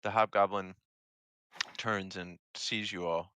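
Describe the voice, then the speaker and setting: Bright-voiced male game master. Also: deep voice, fairly even intonation, takes it slowly, smooth, no room sound. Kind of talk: narrating a tabletop game.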